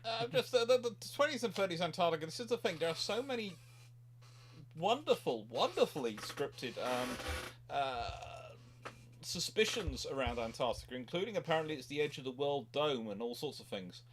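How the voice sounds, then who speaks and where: A man's voice: fairly high pitch, lively intonation, normal speed, slight background noise. A man hosting a casual panel chat, explaining things in a rambling, digressive way with repeated words. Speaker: naval history show host.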